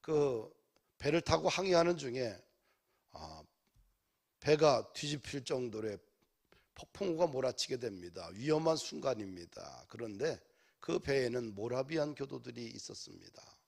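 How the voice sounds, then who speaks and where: Man, pastor, church sermon, gravelly voice, mid pitch, forceful exhortations. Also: big pitch swings, measured pace. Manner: preaching with rising emphatic exhortations.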